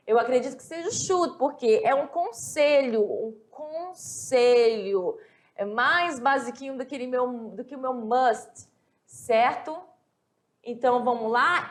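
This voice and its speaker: Slow, patient Brazilian teacher woman. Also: fairly high pitch. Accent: Brazilian Portuguese. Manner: slow explanatory, repeats words, checks in with "beleza?". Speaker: English teacher. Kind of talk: recorded classroom lesson.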